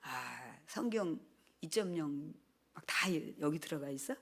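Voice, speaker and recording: An older woman pastor giving a sermon testimony, telling her story with lively, animated delivery and acting out quoted speech. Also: deep voice, measured pace, vocal fry, husky.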